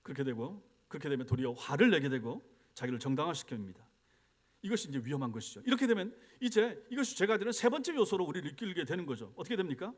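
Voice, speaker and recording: Pastor, male, high-pitched and animated, fast sermon delivery, voices plaintive prayers. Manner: animated preaching, acts out complaining prayers. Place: church sanctuary.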